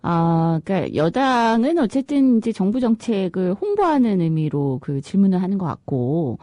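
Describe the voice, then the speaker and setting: A woman's voice: mid-range voice, big pitch swings, normal speed, mellow, dry recording, clean studio sound. A woman guest in an interview, answering candidly with small laughs. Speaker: guest, civic activist.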